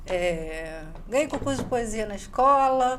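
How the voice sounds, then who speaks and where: Audible room echo and noticeable background noise accompany a woman who speaks fairly slowly at a fairly high pitch. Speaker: journalist, podcast host. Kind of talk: casual interview chat. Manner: talkative.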